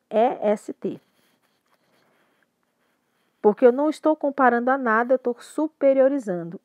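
A woman's voice: fairly high pitch, dry recording. A woman with a Brazilian Portuguese accent teaching an English grammar lesson, patiently explaining and often checking that students follow. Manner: patient, repeats and checks understanding.

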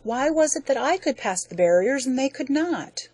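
A woman's voice: sits high, animated, moderate pace, a little mellow, no echo, voice pushed up. A woman voicing a weeping young man. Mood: pleading.

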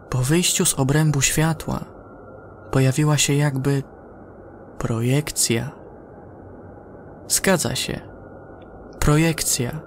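A man narrating a scripted science-fiction horror story in a measured way, with dramatic pauses. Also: mid-range voice, slight background noise.

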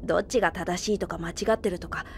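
A woman playing a brash, cocky, protective boy gunfighter in an anime-style audio drama, with rough, boyish, slangy speech. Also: fairly low pitch, steady tone, quick pace, a little hiss or hum. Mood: earnest.

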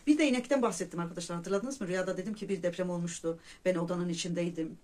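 A woman's voice: lowish voice, very fast, darkish tone. A woman talking casually to her viewers, earnestly sharing religious reflections and retelling dreams, often calling them her friends. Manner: reflective storytelling with pious phrases. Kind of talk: casual personal monologue to viewers.

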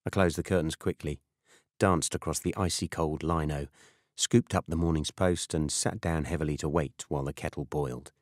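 A British man reading a first-person novel as an audiobook narrator, in a dry, measured manner. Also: very deep voice, a little mellow, no echo.

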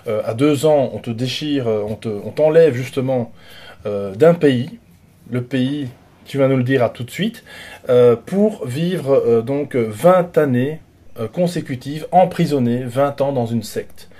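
A man in his forties hosts a relaxed interview from a small room at home. His voice is mellow and slightly husky, and he often hesitates and restarts his sentences. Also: medium pitch, a little slow. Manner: hesitant, many fillers and restarts. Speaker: host. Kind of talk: casual interview intro.

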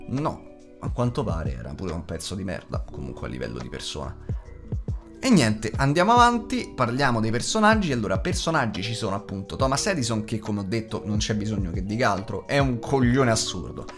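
Guy in his 20s chatting through a movie review, blunt and sweary, really animated pitch, bit of music behind. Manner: blunt, colloquial, freely swearing. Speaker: film reviewer, channel host. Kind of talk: casual, unscripted video review. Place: small foam-treated home studio indoors. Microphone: large studio condenser microphone.

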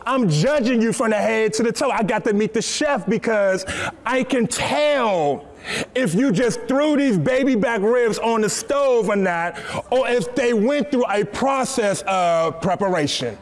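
A young man with a high, light voice preaches from a church stage into a headset mic. He talks in a lively, repetitive way and keeps restarting his words with little stammers. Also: a little slow. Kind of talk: sermon. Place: church stage, seated on a stool.

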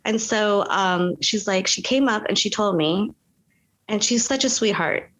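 A woman's voice: mid-range voice, measured pace. A woman from Canada, a guest actress in a casual interview, telling stories animatedly with lots of "like" fillers and acted-out quotes. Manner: animated, frequent "like" fillers, quotes people in voices.

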